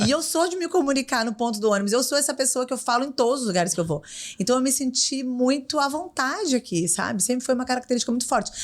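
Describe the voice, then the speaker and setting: Her pitch high and her intonation lively, a woman talks at a very fast pace. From southern Brazil, Porto Alegre. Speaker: travel agent. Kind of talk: podcast interview.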